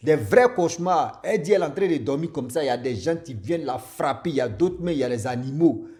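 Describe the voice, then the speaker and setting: A man telling a story in a casual, animated way, often laughing and repeating words. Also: fairly high pitch, quick pace. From Martinique and Ivory Coast parents.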